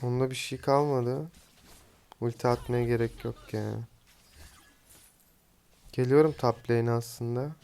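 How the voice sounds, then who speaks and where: Smooth-voiced young man chatting over gameplay. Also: medium pitch, steady tone, a little slow, long pauses, warm tone. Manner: chatty, teasing, swears casually at teammates. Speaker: gaming streamer. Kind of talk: casual live gameplay commentary.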